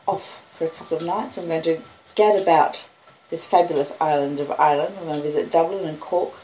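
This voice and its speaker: A woman's voice: on the low side, dark tone. Australian woman reading in an echoey room. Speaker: streamer reading novels aloud. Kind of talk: expressive audiobook-style reading of a classic novel with casual chat. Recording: roomy echo, clear background noise or hiss.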